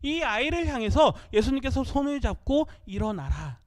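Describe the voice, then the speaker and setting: A man's voice: sits high, animated, a little fast. A male pastor preaching at a midweek prayer service. He reads scripture aloud and keeps asking the congregation questions that he answers himself. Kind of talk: sermon. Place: church.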